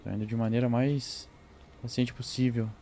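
A man's voice: medium pitch, flat delivery, moderate pace, warm tone, slight background noise. A man commenting on his gameplay, nervous and talking to himself. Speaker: gameplay streamer. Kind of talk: let's play commentary.

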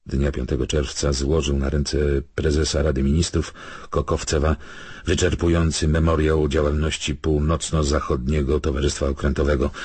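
A man narrating an audiobook, reading literary prose and letters in a measured, formal way. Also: rumbling low, darkish tone, slightly rough, no room sound.

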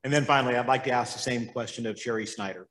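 A man's voice: mid-range voice, fast talker, a bit bright. A man moderating a panel, politely asking each speaker a question. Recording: roomy hall reverb.

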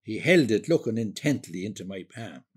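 A man's voice: fairly low pitch, lively intonation, moderate pace, breathy edge. An actor playing an elderly Irish emigrant builder in a radio drama, chatty and wistful, rambling hesitantly through his memories. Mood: reminiscing. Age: older. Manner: rambling, hesitant, conversational storytelling.

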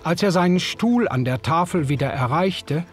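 A man's voice: on the high side, lively intonation, natural voice. Guy narrating as young german man looking back, light voice, lots of lift, faint music under it. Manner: measured, old-fashioned storytelling. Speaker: first-person narrator. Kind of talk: scripted audiobook narration.

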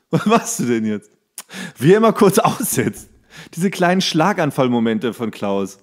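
A man's voice: on the high side, sing-song, measured pace. A man co-hosting a podcast in casual, comedic banter, with a playful, teasing way of talking. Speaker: podcast co-host.

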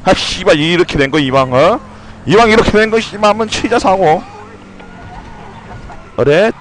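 A young man giving loud, excitable commentary while playing a video game, swearing and shouting at what happens on screen. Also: high-pitched, moderate pace, slight background noise, rough recording. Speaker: gameplay streamer.

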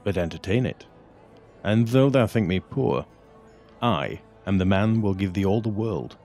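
An actor playing a scheming, bitter pirate captain in a Shakespearean audio drama, speaking with deliberate insistence. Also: male voice, fairly low pitch, expressive, a little mellow, soft background music. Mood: insistent, tempting. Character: scheming, bitter pirate captain urging treachery on his lord.

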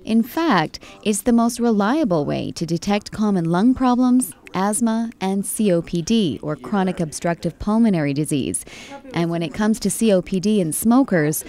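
A woman's voice: mid-range voice, animated, normal speed, warm tone. A woman reporter reading scripted news narration as a voice-over.

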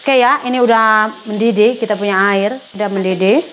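A woman's voice: mid-range voice, brisk, a bit bright. Middle-aged woman, cooking vlogger, tinged speech, chatty, talks straight to viewers, light kitchen noise. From Indonesia. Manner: chatty, addresses viewers as pemirsa. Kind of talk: casual chat while cooking. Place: home kitchen.

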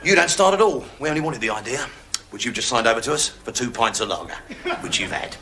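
A man's voice: medium pitch, sing-song, fast talker, background noise. An actor playing a brash, crude male TV executive who is blunt and mocking, in a sitcom. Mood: smug. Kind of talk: 1990s TV sitcom acting.

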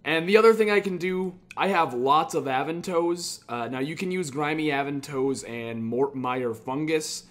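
A man talks over his own gameplay in a loose, chatty way, his voice sitting a little high for a man. He stays upbeat and throws in casual swearing as he goes. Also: moderate pace, few pauses. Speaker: gaming YouTuber.

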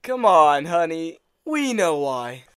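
A man's voice: a little high, sing-song, slow pace, very noisy. A man voicing a cowardly, doting devil husband in a comic dub, stammering and pleading in panic. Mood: anxious soothing.

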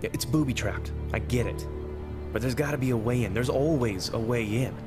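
A man's voice: medium pitch, fairly quick, lightly acted. An actor playing a wary, stubborn male wreck diver in a motion comic, speaking in a terse, skeptical way. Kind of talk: dramatic motion-comic acting. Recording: loud dramatic music over voice.

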